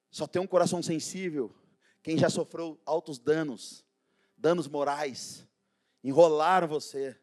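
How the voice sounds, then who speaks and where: A pastor preaching a sermon in a loud, animated, slangy way, dropping to low murmurs and laughing at his own stories.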